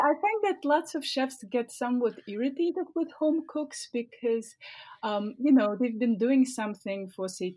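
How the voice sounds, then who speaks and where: A woman's voice: fairly high pitch, mellow. A middle-aged woman from Russia with a Russian accent, a cooking teacher talking animatedly in an interview and laughing often. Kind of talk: conversational interview.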